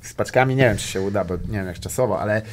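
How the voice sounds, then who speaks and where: A man's voice: fairly low pitch, rapid-fire, a crowd in the background. A young man hosting a casual comedy podcast, telling rambling stories with crude jokes and bits of English. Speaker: podcast host.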